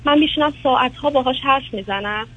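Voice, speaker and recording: A woman's voice: high voice, slightly rough. A woman calling in to a counseling show, telling her story in a rambling, emotional way over the phone. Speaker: caller. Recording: phone line.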